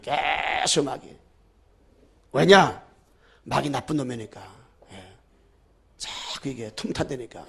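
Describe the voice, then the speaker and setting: A man preaching a sermon as pastor, fervent, shifting between loud declarations and low asides, and leading the congregation in repeating phrases after him. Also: expressive, takes it slowly, creaky, pauses often. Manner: leads the congregation in call-and-repeat.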